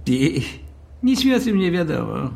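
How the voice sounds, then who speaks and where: An actor playing a pedantic, haughty hotel manager who speaks in a formal, fussy, long-winded way in an audio drama. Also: male voice, a little high, big pitch swings, a little slow, vocal fry, a little mellow, heavily acted. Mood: formal, curt.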